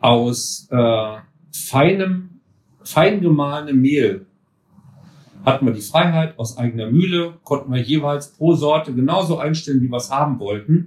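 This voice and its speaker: The voice is somewhat breathy, with ordinary pitch variation and a fairly slow pace. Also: man. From Westphalia, Germany (Gütersloh). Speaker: master baker and bakery manager. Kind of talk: casual interview. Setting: office above a bakery.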